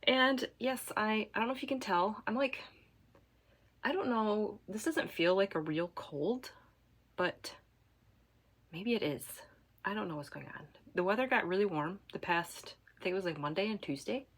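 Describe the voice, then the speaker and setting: A woman from Michigan hosting a knitting podcast, chatting casually to camera at home while congested, rambling with fillers and soft asides. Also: mid-range voice, normal speed. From Michigan, USA.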